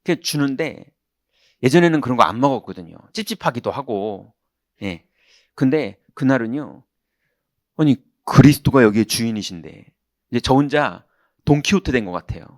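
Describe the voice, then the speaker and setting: A man preaching as a pastor, telling a personal story in an animated way and acting out the people in it. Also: medium pitch, moderate pace, no room sound, studio quality. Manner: animated, acts out quoted voices, shouts punchlines. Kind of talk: sermon with storytelling. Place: church sanctuary.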